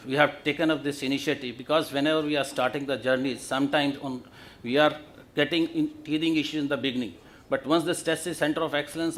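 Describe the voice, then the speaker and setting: A man with an Indian accent giving a formal business presentation as a bank executive, in a halting, list-like delivery. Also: a little high.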